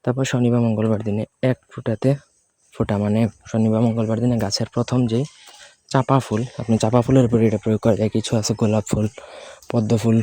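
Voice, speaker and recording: Brisk, low, dark-voiced man explaining. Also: flat delivery. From Bengal. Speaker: channel host teaching spells. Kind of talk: instructional talk to camera.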